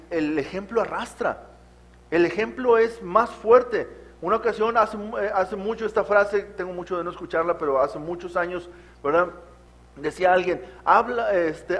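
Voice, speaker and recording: High-voiced pastor preaching a sermon. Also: male voice, fairly bright tone. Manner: exhorting, rhetorical questions to the congregation. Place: church.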